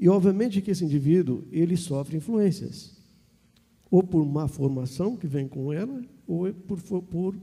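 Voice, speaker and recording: Talking at a fairly slow pace, a man uses a high pitch and ordinary pitch variation in a dark, mellow tone. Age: 60s. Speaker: industry association executive. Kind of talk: panel talk. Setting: stage with audience.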